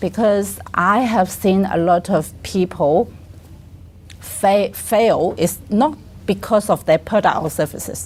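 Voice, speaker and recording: In a Chinese accent, a woman speaks at a very slow pace with ordinary pitch variation and very even loudness. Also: medium pitch for a woman. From China, Guangzhou. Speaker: communication speaker. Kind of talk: interview.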